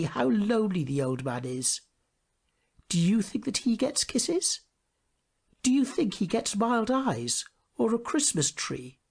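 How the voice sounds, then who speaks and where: A man's voice: high voice, gravelly, darkish tone, slightly rough, voice pushed up, full character voice. A man voicing a melancholy, lonely pewter toy soldier in a storybook, lamenting in a plaintive, dramatic way. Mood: miserable, pleading.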